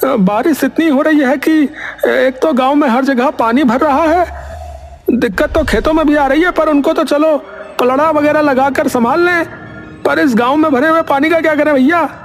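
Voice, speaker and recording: A man playing an aggrieved, talkative villager in an animated moral story, complaining in a plaintive, emphatic way. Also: very high voice, moderate pace, faint music behind.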